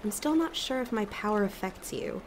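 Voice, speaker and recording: A woman's voice: medium pitch, lively intonation, normal speed, a little hiss or hum, lightly acted, low-quality recording. An actress playing a worried, wryly teasing young woman in a naturalistic audio drama. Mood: curious, teasing. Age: young adult.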